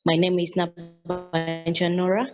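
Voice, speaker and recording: A woman from Uganda introducing herself as an NGO program officer in a steady way on a video call. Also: lowish voice, unhurried, faint music behind. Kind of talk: self-introduction.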